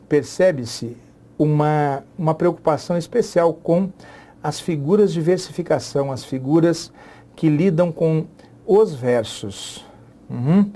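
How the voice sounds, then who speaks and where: A middle-aged Brazilian literature teacher with a Brazilian Portuguese accent gives an exam-prep lesson in a chatty way, repeating key phrases and checking in with his class. His voice is fairly high-pitched yet dark in tone.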